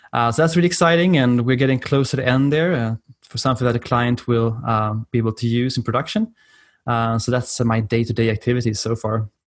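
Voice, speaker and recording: A man with a Swedish accent at medium pitch, fairly quick pace and ordinary pitch variation, over a quiet background. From Sweden. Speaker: software consultant. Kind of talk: interview.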